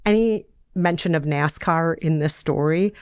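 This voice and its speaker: A woman, hosting a podcast in a relaxed, wry way, chatting and reading fiction aloud. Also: low voice, unhurried, clear, resonant tone, no room sound, studio quality. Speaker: podcast host and storyteller.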